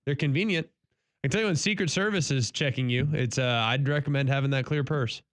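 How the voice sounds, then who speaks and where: A man's voice: mid-range voice, brisk, fairly bright tone, no echo, clean studio sound. A man co-hosting a sports radio show, reading an ad and joking about it in a self-deprecating way. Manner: self-deprecating, laughing banter. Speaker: radio co-host. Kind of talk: sports radio talk and live ad read. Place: radio studio. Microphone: studio microphone.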